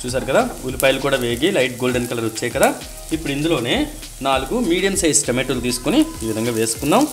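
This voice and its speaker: A man's voice: mid-range voice, rapid-fire, soft background music. A man narrating a cooking recipe step by step, addressing viewers directly in an instructional way. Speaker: host of a cooking channel.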